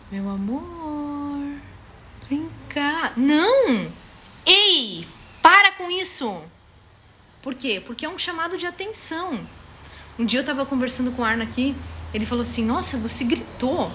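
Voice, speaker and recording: With a raised, projected voice, a woman speaks at a high pitch with very wide pitch swings and long, frequent pauses, amid audible room echo and noticeable background noise. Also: fairly slow pace. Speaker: mother giving parenting advice. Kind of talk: live stream talk. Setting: live stream on social media.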